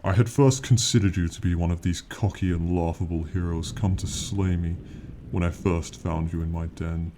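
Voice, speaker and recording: A man voicing an ancient, proud male dragon in an ASMR fantasy roleplay, speaking slowly and formally with lofty, condescending yet fond authority. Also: low voice, steady tone, warm tone, slight background noise. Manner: slow, formal, lofty, archaic phrasing.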